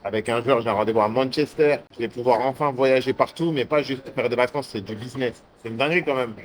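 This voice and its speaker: Over loud traffic and street sounds, a young man who vlogs as an entrepreneur talks to the camera on his travels. His voice is medium-pitched and fast, full of hyped, slangy street talk in a casual style.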